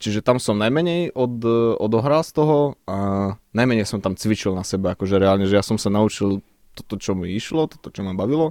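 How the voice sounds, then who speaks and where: A man with an ordinary speaking voice, fairly low pitch, lively intonation and a fairly quick pace, in a dry, close sound with no echo and a very clean recording against a silent background. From Czech Republic (Hulín), moved to Slovakia at ten. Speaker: podcast sound technician and musician. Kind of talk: casual chat.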